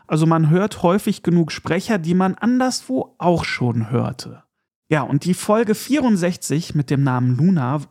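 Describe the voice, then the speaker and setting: A man's voice: a little high, creaky, a little mellow. A man hosting a casual podcast, talking in a chatty, enthusiastic way with asides and small laughs. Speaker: podcast host.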